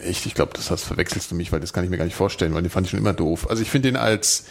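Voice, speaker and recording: Podcast guy chatting, rambles and jokes, talks really quick, kinda gravelly. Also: sits low. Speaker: podcast co-host. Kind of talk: casual chat.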